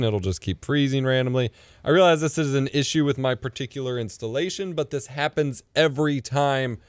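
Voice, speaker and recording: A man in his thirties live-streaming from his home setup as he edits video, thinking out loud and muttering asides under his breath. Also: mid-range voice, clean tone, no room sound. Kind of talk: casual live-stream commentary while video editing. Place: home streaming room, indoors. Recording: dry close mic with faint music.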